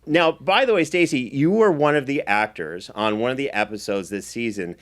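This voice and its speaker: A man's voice: medium pitch, normal speed. A man hosting a conversational interview. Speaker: host and series producer.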